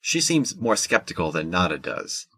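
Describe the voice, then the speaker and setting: A man narrating a scripted audio drama in a measured, descriptive storytelling manner. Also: low-pitched, big pitch swings, sharp tone, no room sound.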